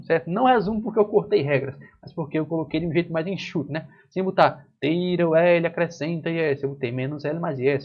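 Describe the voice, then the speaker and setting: A man's voice: a little high, slightly rough, lo-fi sound. A man with a Brazilian accent teaching an online grammar lesson, explaining step by step and asking and answering his own questions. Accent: Brazilian Portuguese.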